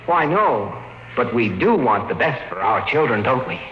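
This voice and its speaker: An actor playing an enthusiastic company agent giving formal, emphatic sales patter in a 1950s radio drama. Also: male voice, medium pitch, big pitch swings, normal speed, a bit bright. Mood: sales enthusiasm. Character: enthusiastic smooth-selling company installation agent, adult man. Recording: noisy, echoing 1950s radio broadcast.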